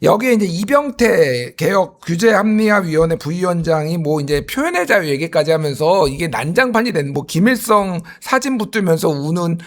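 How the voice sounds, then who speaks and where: A middle-aged man comments on politics in a high voice with a casual, conversational flow. He is opinionated and readily brushes points aside with offhand remarks. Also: very animated, normal speed, hardly any pauses.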